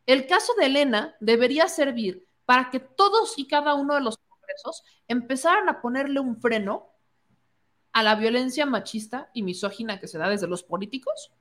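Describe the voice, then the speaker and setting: A woman's voice: a little high, expressive, a little fast, fairly bright tone. A woman with a Mexican accent giving opinionated political commentary, indignant and sarcastic, mocking the people she quotes.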